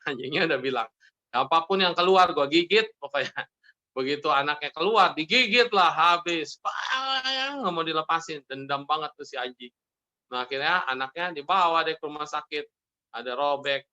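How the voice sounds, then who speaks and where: A man's voice: on the high side, fairly quick, sharp tone, highs cut off. A man, a Buddhist monk, giving a casual sermon full of stories, joking and laughing as he acts out the people in them. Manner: jokey, laughs often, acts out characters in his stories.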